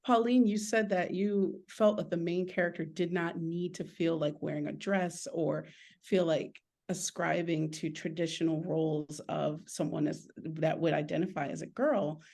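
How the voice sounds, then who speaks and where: A woman's voice: low-pitched, fairly even intonation, normal speed, creaky, a little mellow. A woman guest chatting casually in a video call interview about creative work, speaking in an earnest, appreciative way. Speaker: illustrator and author guest.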